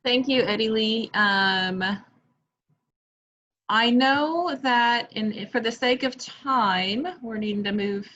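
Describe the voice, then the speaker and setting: Slow-spoken woman chairing a video meeting. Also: on the high side, a bit bright. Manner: hesitant, repeats words. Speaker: meeting facilitator. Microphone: video call. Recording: muffled video-call audio.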